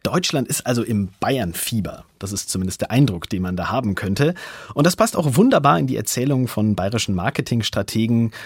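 Husky, lively male radio host. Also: mid-range voice, fairly quick, dry recording, studio quality. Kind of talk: radio talk show moderation. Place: radio studio.

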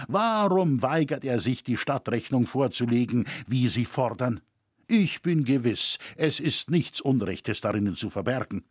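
Man voicing an upright cathedral builder, earnest and impassioned, husky tone, storybook part. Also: medium pitch, no room sound, studio quality.

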